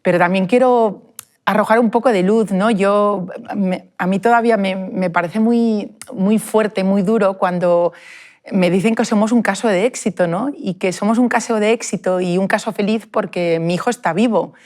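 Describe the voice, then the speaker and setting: A woman, a parent telling her family's experience in an earnest, emotional way, often halting and restarting. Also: medium pitch, a little mellow. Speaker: parent of a bullied child. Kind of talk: personal testimony in a group conversation.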